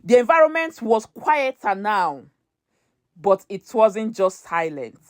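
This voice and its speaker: A woman narrating a scripted story dramatically, breaking her sentences into short, deliberate phrases. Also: medium pitch, big pitch swings, no room sound, clean studio sound.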